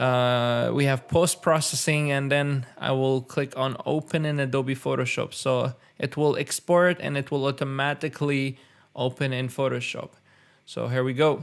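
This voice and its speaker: A man talks with a non-native accent in a fairly high, monotone, flat voice. The recording is very clean and the background silent. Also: moderate pace. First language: not English. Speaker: photo editing youtuber. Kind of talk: tutorial. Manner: casual with many fillers.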